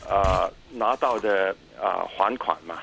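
Halting Cantonese-accented man explaining. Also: low voice, creaky, fairly bright tone, slight background noise, low-quality recording. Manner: halting, hesitant Mandarin with frequent pauses and repeated words. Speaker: interview guest, academic. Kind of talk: explanatory interview answers.

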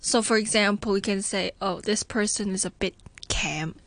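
A woman's voice: mid-range voice, normal speed, fairly bright tone. A young woman guest on a radio chat, explaining slang in an agreeable, matter-of-fact way. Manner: explanatory, agreeable, many short yeses.

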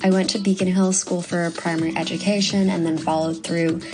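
A young woman actor from Hong Kong answers interview questions in an earnest, measured way. Her voice sits a little low, and soft music plays behind her. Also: level tone, poor audio. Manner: earnest, measured, with frequent ums. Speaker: guest actor.

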